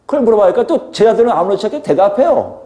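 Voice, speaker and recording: Middle-aged male pastor, high mellow voice, animated preaching with rhetorical questions. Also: quick pace. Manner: animated, acts out quoted scolding with sudden loud jumps. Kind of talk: expository sermon.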